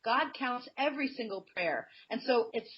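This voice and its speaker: An earnest woman talking on a radio show, relaxed and conversational as she tells personal anecdotes. Her voice sits a little high for a woman. The sound is muffled and lo-fi, like an old broadcast. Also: normal speed, husky. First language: not Hebrew. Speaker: guest. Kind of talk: radio interview, personal storytelling.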